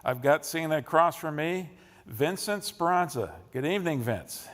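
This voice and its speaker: A man's voice: on the high side, expressive, normal speed, fairly bright tone. A man with an American accent hosting an interview, introducing his guest in semi-formal, unscripted talk. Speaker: interview host. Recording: echoey hall with long reverb.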